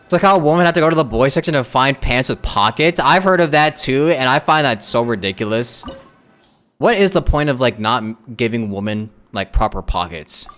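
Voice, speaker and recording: Smooth-voiced casual male game streamer. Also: mid-range voice, lively intonation, fairly quick, fairly bright tone. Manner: informal, repeats phrases for emphasis. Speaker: live streamer. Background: game music.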